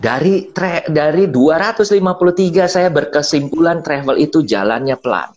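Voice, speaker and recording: A man's voice: fairly high pitch, normal speed, lo-fi sound. A middle-aged man giving a casual motivational business talk, acting out quotes and laughing often. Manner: animated storyteller, acts out quotes, laughs often. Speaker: business speaker on a live stream. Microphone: phone mic.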